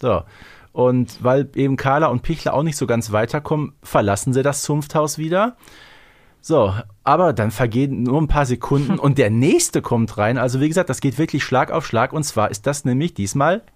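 A man's voice: medium pitch, moderate pace. A man co-hosting a fan podcast in casual chat, talking colloquially and with emphasis. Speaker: podcast co-host.

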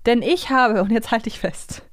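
A woman's voice: fairly high pitch, normal speed, no echo. A woman chatting casually as a podcast host. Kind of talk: casual chat.

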